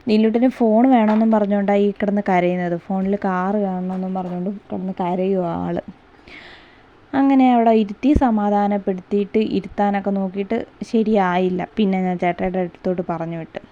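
Young trivandrum mom narrating her day, chatty and homely, mellow dull-ish lo-fi sound. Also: medium pitch, steady tone, fairly quick. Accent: Thiruvananthapuram Malayalam. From Kerala. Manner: chatty, homely, frequent tag "kettoa". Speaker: housewife vlogger. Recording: slightly dull lo-fi audio.

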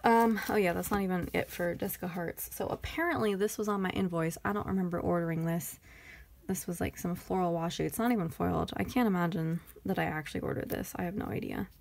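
A woman's voice: on the low side, fairly even intonation, fast talker, gravelly, darkish tone, no echo. A woman with a Texan accent chatting casually through a planner sticker haul, rambling and thinking aloud. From Texas. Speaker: planner vlogger.

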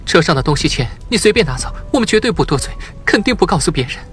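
A man acts out a terrified young woman teacher in an audiobook drama. The pitch is raised high and the words rush out in anxious begging, with music underneath. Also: big pitch swings, a bit bright, slight background noise. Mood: pleading, frightened. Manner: pleading, rushed, anxious. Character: terrified young female schoolteacher pleading with a robber.

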